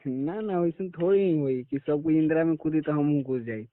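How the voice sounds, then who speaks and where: A man with a Bihari accent chats casually on a phone call. His voice is a little high, and he answers defensively, often repeating himself. The recording is thin and tinny, like a phone line. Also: normal speed, no room sound. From Bihar, India. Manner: defensive, repetitive. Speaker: Bhojpuri singer being interviewed.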